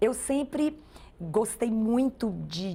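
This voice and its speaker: A woman with a Bahian accent. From Brazil, interior of Bahia (Vitória da Conquista). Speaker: state legislator. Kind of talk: TV interview.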